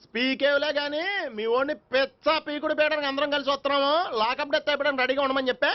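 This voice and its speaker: An actor playing a loud-mouthed young comic sidekick, brash and mocking, in a film comedy. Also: male voice, extremely high pitch, flat delivery, rapid-fire. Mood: taunting. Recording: dull film soundtrack with music.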